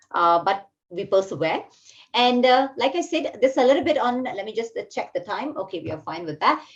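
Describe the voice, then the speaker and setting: Talking at a fairly quick pace, a woman with a slight Singaporean accent and a fairly high pitch swings her pitch very widely. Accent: slight Singlish. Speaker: nursing educator. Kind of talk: webinar presentation. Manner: halting.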